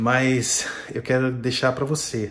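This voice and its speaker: A soft-spoken, somewhat breathy man with a medium pitch. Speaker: Bible teacher. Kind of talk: Bible study lesson. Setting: at home late at night.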